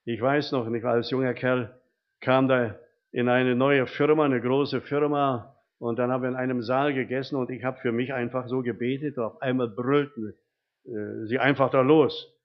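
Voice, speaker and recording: A man's voice: mid-range voice, fairly even intonation, normal speed. Older man preaching in folksy tones. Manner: folksy storytelling with frequent rhetorical tag questions. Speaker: lay preacher. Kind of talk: sermon. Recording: dull, muffled recording.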